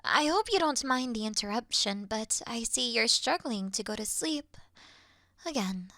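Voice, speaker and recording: A woman playing an awkward, officious moth girl in a sleep-aid ASMR roleplay, speaking softly and deliberately in a dry bedside murmur that slips into whispers. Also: a little high, animated, dry recording, heavily acted. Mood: polite, matter-of-fact. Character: awkward, officious young female moth monster offering comfort.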